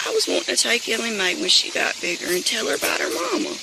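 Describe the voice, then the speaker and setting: A woman's voice: fairly high pitch, huge pitch swings, fast, gravelly, background noise, full character voice. A woman playing an exasperated rural wife and mother in a comedic audio drama, with a folksy, scolding Southern US drawl. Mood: wistful.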